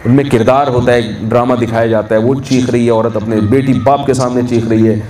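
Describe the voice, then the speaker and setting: A religious scholar delivers a sermon to a gathering in a warm, medium-pitched voice with fairly even intonation. Conversational in manner, he asks his listeners questions and answers them himself, recorded from afar in an echoey hall with a little noise.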